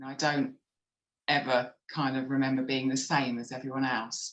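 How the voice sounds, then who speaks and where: A woman's very deep, low voice in a British accent, at a fairly slow pace. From England. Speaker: podcast guest. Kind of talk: interview.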